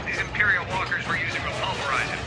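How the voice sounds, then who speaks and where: High, clipped Imperial gunner. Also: male voice, fast talker. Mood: urgent, businesslike. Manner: clipped, military. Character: brisk Imperial military gunner. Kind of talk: science fiction audio drama acting. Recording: battle noise and music behind.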